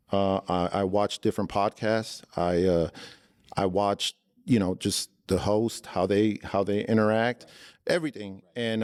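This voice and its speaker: Relaxed, low-voiced man in his forties. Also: clean tone, no room sound, studio quality. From Los Angeles, born in El Salvador. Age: 40s. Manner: relaxed, loose, peppers talk with "man", frequent restarts. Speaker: podcast guest, entrepreneur. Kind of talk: casual interview talk.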